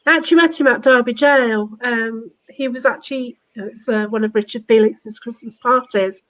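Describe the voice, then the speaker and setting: A woman with a fairly high voice hosts a casual live stream. She is chatty and enthusiastic, dropping in tag questions as she takes viewer questions. The audio is somewhat muffled and lo-fi. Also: fairly even intonation, moderate pace, fairly bright tone. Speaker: host taking viewer questions. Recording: dull, lo-fi audio.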